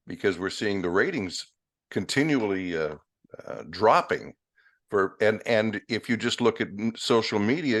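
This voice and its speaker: An American man in middle age hosts a relaxed conversational interview. His voice is very deep, and he muses aloud in a halting, searching way. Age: middle-aged. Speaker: interview host.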